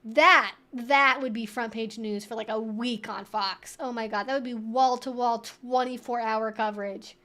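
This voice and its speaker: A woman hosting a casual question-and-answer livestream, talking in an animated, emphatic way with conversational asides. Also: a little high, moderate pace, few pauses. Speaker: livestream host.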